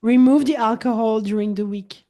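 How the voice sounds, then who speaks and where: Animated woman, native French speaker. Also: on the high side, normal speed. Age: 40s. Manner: animated, repeats words and restarts, acts out quoted dialogue. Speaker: host, wellness coach. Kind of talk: casual podcast conversation.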